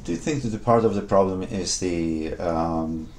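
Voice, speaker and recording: Deep mellow interviewer, off-mic. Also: male voice, moderate pace, a little hiss or hum. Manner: hesitant questions with many fillers.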